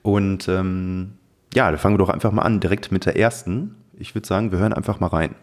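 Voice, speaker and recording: A man's voice: low voice, fairly even intonation, a little fast. A man from the Ruhr area of Germany chatting casually as a podcast co-host. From Witten, Ruhr area, Germany.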